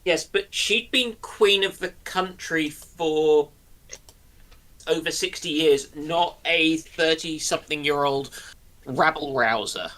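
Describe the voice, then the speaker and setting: A man chatting casually as a live stream panelist, halting and repeating words as he thinks. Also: on the high side, sharp tone, poor audio. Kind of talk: casual chat.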